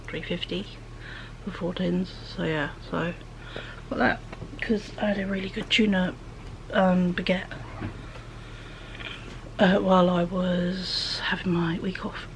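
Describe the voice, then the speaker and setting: A woman's voice: on the low side, creaky. A woman, chatting casually through a grocery haul at home, with plenty of ums and a slight hay fever wheeze. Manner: chatty, many ums, drifts into soft half-whispers. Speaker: vlogger. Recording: background noise.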